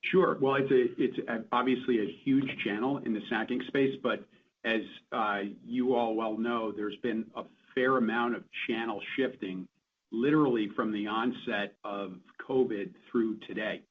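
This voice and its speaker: A man's voice: medium pitch, fairly even intonation, moderate pace. A man speaking as a chief executive, giving assured explanations on an earnings call. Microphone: conference call line. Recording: dull conference call line, faint noise.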